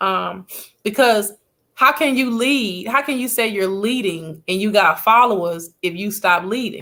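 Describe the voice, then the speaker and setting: Loud and bright with a sharp tone, a woman speaks with a Southern US accent at medium pitch. Her pace is fairly slow, with ordinary pitch variation. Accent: country, Southern US. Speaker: podcast co-host. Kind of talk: casual podcast conversation. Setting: live stream podcast.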